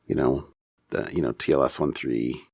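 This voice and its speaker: A man co-hosting a casual tech news discussion, talking in a halting way as he thinks aloud. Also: rumbling low, steady tone, darkish tone, dry recording. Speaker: podcast co-host.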